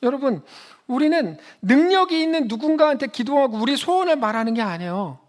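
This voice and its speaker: A male pastor preaching a Sunday sermon in a church, telling stories and acting out quotes, swinging between loud emphatic peaks and quiet low asides. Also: sing-song, a little fast. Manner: storytelling, acts out quotes in a child's voice. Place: church sanctuary.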